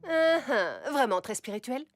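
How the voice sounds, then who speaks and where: Excitable high-voiced hippie cartoon mum. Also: female voice, unhurried, over music. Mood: dreamy, cheerful. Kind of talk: French cartoon dub.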